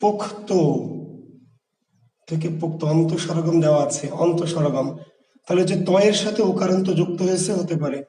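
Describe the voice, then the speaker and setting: A man's voice: a little high, a little fast, pauses often, warm tone, far from the mic. A male teacher giving an exam-prep grammar lecture, explaining patiently and asking his own questions, then answering them. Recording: echoey room, voice from afar.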